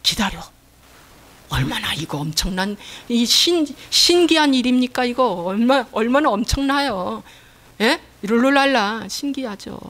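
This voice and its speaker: A woman's voice: a little high, expressive, a little slow, a bit bright. A middle-aged woman pastor preaching a sermon, repeating key phrases and asking her congregation questions that she answers herself.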